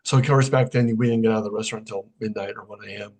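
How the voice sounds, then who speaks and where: Speaking rapid-fire in a fairly low, darkish voice with a steady tone, a middle-aged sound healer shares a personal story on a podcast. He keeps it conversational, relaying what people said as quoted dialogue.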